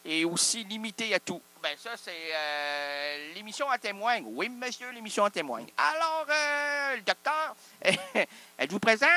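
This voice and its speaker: A man hosts his own improvised comedy show. He plays with words and keeps cutting himself off. His voice is fairly high and bright, and it swings widely in pitch. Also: animated, unhurried. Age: 30s. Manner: absurd, playful, self-interrupting wordplay. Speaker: host.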